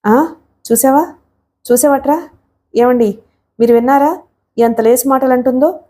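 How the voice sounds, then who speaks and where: A woman's voice: sits high, unhurried, warm tone. A woman reading the part of an indignant older mother-in-law who scolds her daughter-in-law.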